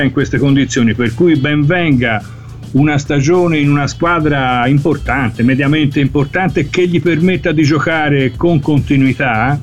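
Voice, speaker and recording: A man co-hosting a football show, giving conversational commentary in emphatic, list-like phrases. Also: fairly high pitch.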